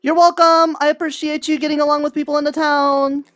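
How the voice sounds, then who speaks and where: A woman roleplaying an earnest, naive, cheerful young preacher, talking in a halting, childlike way with folksy grammar. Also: high-pitched, little pitch movement, lightly acted. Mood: pleased. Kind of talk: improvised virtual reality roleplay.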